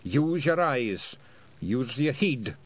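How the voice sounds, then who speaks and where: A gruff, blunt old Scottish piper of ninety-six, as a male narrator puts him on, talking in broad dialect. The voice sits high and loud for an old man and swings up and down with great life. He scolds and lectures without mincing words. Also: big pitch swings, takes it slowly. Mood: kindly. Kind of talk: audiobook character voice.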